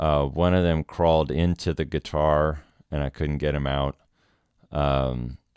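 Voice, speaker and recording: Recorded very cleanly against a silent background, a man speaks in a very deep, low pitch with a dry, close sound and no echo. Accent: American. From Massachusetts. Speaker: podcast host and musician. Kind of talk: solo podcast monologue. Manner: casual, rambling.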